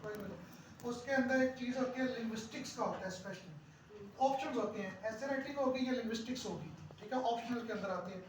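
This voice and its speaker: A teacher trainer giving a workshop lecture, repeating key phrases, asking the audience questions, and reading English lines aloud slowly. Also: medium pitch. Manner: reads English lines aloud slowly, one word at a time. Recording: very echoey room, distant mic, faint noise.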